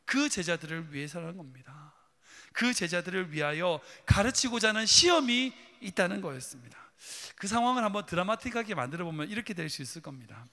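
A man's voice: high voice, very animated, fairly quick, sharp tone, in a large hall. A man preaching a sermon dramatically, full of rhetorical questions. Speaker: pastor. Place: church sanctuary.

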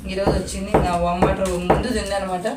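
A woman's voice: medium pitch, level tone, fast talker, distant mic, over loud music. A woman from India chatting casually as a vlogger, explaining a home remedy step by step. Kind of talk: casual vlog narration. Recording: echoey room, off-mic, noisy.

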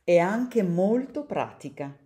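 A woman's voice: lowish voice, sing-song, slow, warm tone, pitched above the performer's own voice. A woman voicing an enthusiastic young male dog who likes precision, explaining things cheerfully in a storybook reading.

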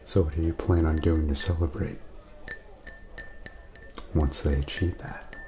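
A man playing an easygoing friend and long-suffering baseball fan in a soft-spoken, casual ASMR roleplay, often repeating himself and slipping toward a whisper. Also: very deep voice, steady tone, unhurried. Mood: warmly interested. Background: background music, clinking glasses.

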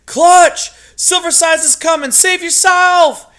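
A man's voice: very high voice, normal speed, pushed and bright, voice pushed up. A man voicing an exhausted, guilt-stricken male white mouse who pleads frantically and breathlessly. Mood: frantic.

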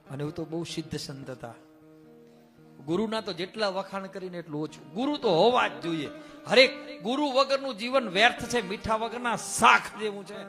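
Man, high voice, homely storytelling preacher at a temple satsang. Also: sharp tone. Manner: earnest, homely storytelling with village sayings. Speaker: temple head giving a satsang. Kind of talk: folk storytelling sermon.

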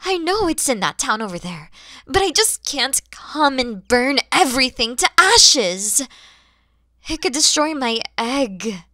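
A woman's voice: high voice, sing-song, a little slow, sharp tone, dry recording, clean studio sound, full character voice. A woman voicing a proud, wary, motherly female dragon in a theatrical, menacing ASMR roleplay, at times dropping into whispers. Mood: brooding. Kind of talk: ASMR audio roleplay acting.

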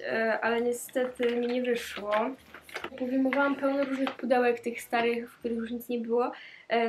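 Cheerful teenage girl vlogger, slightly high voice. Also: noisy background. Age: teens. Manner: chatty and cheerful, with frequent "e" fillers. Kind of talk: casual unboxing vlog. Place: small bedroom indoors.

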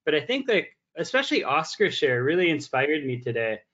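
A man's voice: a little high, sing-song, brisk, fairly bright tone. A man in his thirties from the Bay Area, a sponsor representative talking casually and earnestly, full of "like" fillers, from a room at home. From San Francisco Bay Area. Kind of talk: casual talk on a video call. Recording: dull lo-fi video call audio.

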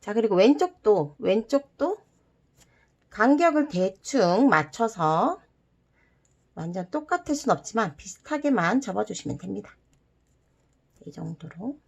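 A woman's voice: medium pitch, sing-song, unhurried, gravelly, long pauses, breathy edge. A woman giving step-by-step craft instructions to children, repeating steps simply and dropping in playful little sound words. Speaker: host of a children's origami tutorial.

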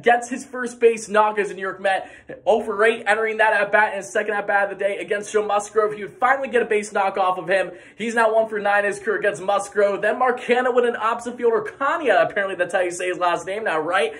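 A young man hosting a post-game sports recap vlog, recorded on a phone at arm's length in a small room, running through the plays with excited bursts of shouting. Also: high-pitched. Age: young adult. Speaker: sports channel host.

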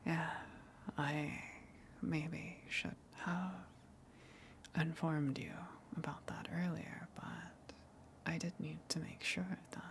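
A woman voicing a lonely, gentle tentacled sea monster in a breathy whispered ASMR roleplay, hesitant and earnest as she speaks. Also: low voice, level tone, full character voice. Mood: shy, candid. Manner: hesitant, confessional, halting, earnest.

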